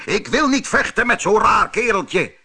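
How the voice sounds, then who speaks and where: A man's voice: high-pitched, very animated, unhurried, pushed and bright, husky, voice pushed up, heavily acted. A man doing a scornful black knight. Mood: mocking. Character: boastful mocking male black knight. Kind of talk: storybook reading.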